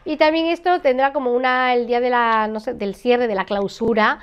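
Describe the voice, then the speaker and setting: A woman's voice: on the high side, steady tone, moderate pace, clean tone, dull audio. A middle-aged woman with an accent from Spain, hosting a chatty, informal interview with encouraging interjections. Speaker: interviewer, host. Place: indoor room, seated interview.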